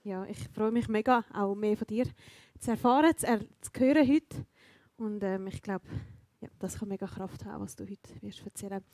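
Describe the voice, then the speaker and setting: A woman's voice: mid-range voice, normal speed, no echo. A woman with a Swiss accent interviewing a guest on a church stage, friendly and encouraging. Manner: friendly, encouraging, lively questioning. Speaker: interviewer in a church talk service.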